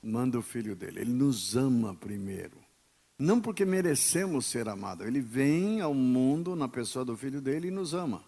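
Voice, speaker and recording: A man with a Brazilian Portuguese accent preaching a sermon as pastor, emphatic, with sharp swings between loud and quiet. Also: mid-range voice, expressive, moderate pace. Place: church.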